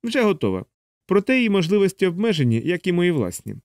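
Man doing a lecturing high-voiced alien helper. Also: very animated, fast talker, darkish tone, no echo, clean studio sound. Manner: didactic, explaining at length. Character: fussy alien male helper, lecturing and urgent. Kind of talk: audiobook character voice.

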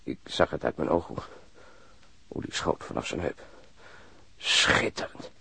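Husky, wounded policeman. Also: very deep voice, pushed and bright, no echo, full character voice. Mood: tense, agitated. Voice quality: husky, breathy. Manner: halting, broken phrases, straining. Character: wounded policeman recounting being stabbed, shaken but admiring. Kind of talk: radio drama acting.

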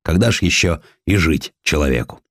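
A man's voice: rumbling low, animated, moderate pace, a bit bright, dry recording, heavily acted. A man voicing an old village coachman who tells a tale in homely, wondering, rustic phrases for an audiobook. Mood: folksy wonder. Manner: colloquial rustic storytelling in short homely phrases. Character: old village coachman, folksy, wondering, plain-spoken male storyteller.

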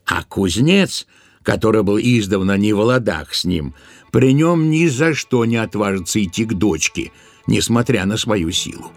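Deep, gravelly male storyteller. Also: expressive, moderate pace, no echo. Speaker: narrator. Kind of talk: dramatic literary storytelling for an audio play. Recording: music behind the voice. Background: musical accompaniment.

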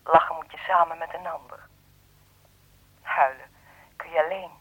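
An actress playing a lonely, solicitous old lady with a husky voice in a radio play. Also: deep voice, fairly even intonation, normal speed, dry recording, narrow, tinny audio. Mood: wistful. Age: older.

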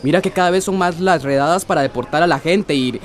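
A man's voice: on the high side, quick pace, close to an everyday voice. An actor playing an earnest, persuasive young man in a radio drama.

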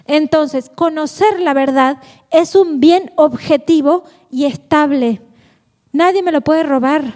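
Slow and high-pitched with a slightly mellow tone, a woman teaches a Catholic formation lecture. Her manner is playful, full of laughter and rhetorical questions, and the sound echoes with a long hall reverb.

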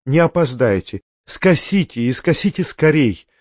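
A man's voice: fairly high pitch, big pitch swings, unhurried, no room sound, lo-fi sound. A man voicing a pompous, sanctimonious older male tyrant who preaches and shrieks. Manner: preachy, shrieking when enraged.

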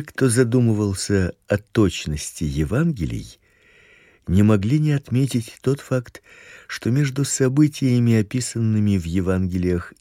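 A man giving a scripted Christian lecture in a slow, measured reading voice. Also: warm tone, no room sound, clean studio sound. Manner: slow, measured reading with wide pitch swings. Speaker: Christian teacher.

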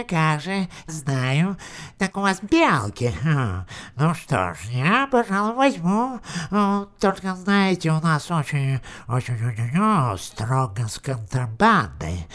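A man's voice: fairly high pitch, a bit bright, voice pushed up, heavily acted. An actor playing an elderly, fussy German zoo owner who hesitates and repeats his words in an audio play.

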